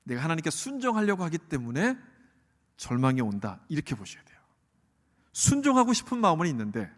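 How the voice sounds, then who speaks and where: A male pastor delivering a sermon, often posing rhetorical questions to the congregation. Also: high-pitched. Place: church sanctuary. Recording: long church hall reverb.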